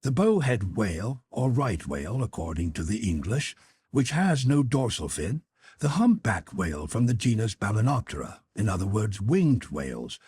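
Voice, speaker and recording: Low, husky male audiobook narrator. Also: very animated, moderate pace, a little mellow, no echo. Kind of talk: scripted literary narration of a classic adventure novel.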